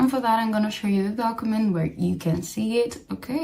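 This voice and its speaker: Somewhat breathy, a woman talks at a fairly quick pace in a dark, mellow tone. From Spain. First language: Spanish. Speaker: Spanish teacher. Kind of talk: tutorial. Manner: casual.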